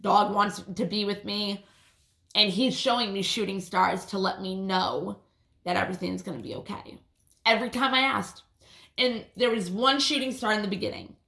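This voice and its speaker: Woman vlogger with a lisp, gravelly fry, roomy echoey sound, casual and profane. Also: mid-range voice, steady tone, normal speed, fairly bright tone. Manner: casual, swears often, restarts sentences. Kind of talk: rambling personal storytelling. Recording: roomy echo.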